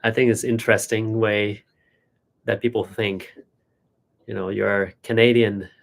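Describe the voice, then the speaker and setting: A man hosting a live question-and-answer chat, explaining things in a relaxed way with everyday examples. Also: lowish voice, unhurried, creaky. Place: hospital setting, indoors.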